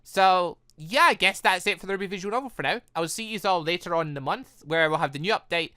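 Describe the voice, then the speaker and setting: A gaming video host giving casual, excitable commentary, rambling and thinking aloud with frequent self-corrections. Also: mid-range voice, fast, no room sound, clean studio sound.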